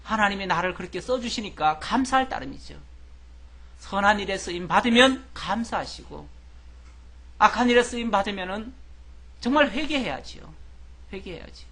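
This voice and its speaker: A man's voice: high-pitched, lively intonation, moderate pace, long pauses, sharp tone. A man preaching a Bible sermon as a pastor, talking animatedly and conversationally, asking his listeners rhetorical questions and telling anecdotes. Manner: tells anecdotes to illustrate points.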